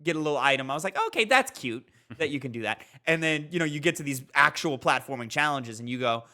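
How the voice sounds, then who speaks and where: A man co-hosting a gaming podcast, chatting casually and telling things in an animated way. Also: a little high, fast. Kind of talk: casual chat.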